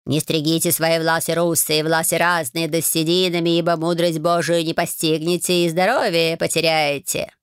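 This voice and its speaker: A woman's voice: sits low, flat delivery, clean tone, no room sound, clean studio sound, close to an everyday voice. Bayun, a woman doing a preachy magic tomcat. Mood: lecturing. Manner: slow, drawn-out, lecturing, purrs and meows. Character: wise grumpy magic tomcat, preachy mentor. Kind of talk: audiobook character voice.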